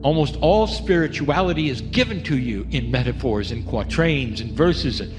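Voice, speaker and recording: A man leads a guided meditation in a middle-range voice. He speaks gently and coaxes the listener forward with soft questions. Clear music plays under him. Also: medium pitch, expressive, normal speed, rough recording. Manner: gentle, coaxing, asks the listener many questions. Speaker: spiritual teacher leading a meditation.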